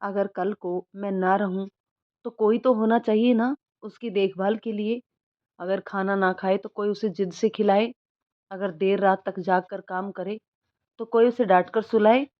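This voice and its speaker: A woman's voice: mid-range voice, fairly even intonation, measured pace, highs cut off, close to an everyday voice. A woman voicing an ailing, stubborn old grandmother in a storybook reading, coaxing and scolding her grandson. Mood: emotional.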